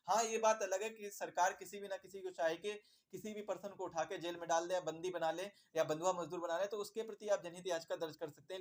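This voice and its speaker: A man teaching an exam prep lesson. He repeats his points, asks questions and answers them himself, and calls viewers "my dear brother". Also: sits high.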